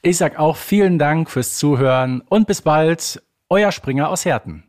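A man's voice: on the high side, unhurried, darkish tone. A man co-hosting a podcast, chatting casually during a fan quiz. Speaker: podcast co-host and quiz contestant.

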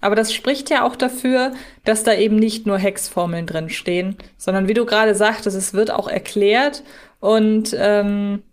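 Woman podcast co-host, mid-pitched, conversational. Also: normal speed. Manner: analytical, self-correcting. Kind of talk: casual podcast discussion.

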